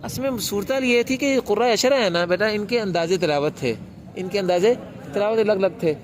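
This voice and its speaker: A man teaching a class on the rules of Quran recitation, asking his students questions and answering them himself. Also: high-pitched. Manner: briefly chants a recitation demonstration.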